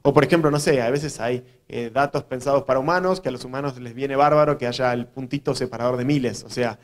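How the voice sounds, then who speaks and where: Argentine guy, programmer, explaining stuff fast to a crowd of journalists, lots of ehs and restarts, mid pitch. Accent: Argentine Spanish. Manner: explanatory, conversational, many fillers and restarts. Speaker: programmer giving a talk. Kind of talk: conference talk to journalists. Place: university event hall.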